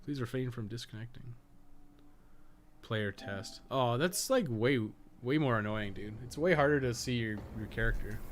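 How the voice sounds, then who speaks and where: A man with a medium-pitched voice talks as a game streamer does, casually thinking out loud. He rambles, speaks bluntly and swears freely. Noticeable ambient noise sits behind his voice. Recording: clear background noise.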